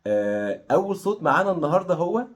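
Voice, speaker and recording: Egyptian male pronunciation teacher, encouraging, drills vowel sounds slowly, very expressive pitch. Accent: Egyptian Arabic. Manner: demonstrates vowel sounds slowly, repeating them. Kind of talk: online pronunciation lesson.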